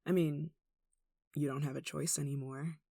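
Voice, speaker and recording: Casting: woman to play possessive yandere kidnapper for ASMR roleplay, lowish creaky voice, sweetly menacing and coaxing. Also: steady tone, moderate pace, warm tone, no room sound, studio quality. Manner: cooing, coaxing, with sighs and giggles. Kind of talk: intimate ASMR roleplay acting.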